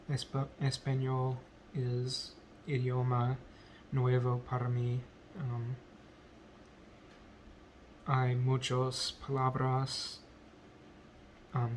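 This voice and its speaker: A man whose first language is English, speaking in a halting vlog as a learner, full of pauses, ums and self-corrections. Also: mid-range voice, darkish tone, slight background noise. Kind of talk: halting unscripted speech practice.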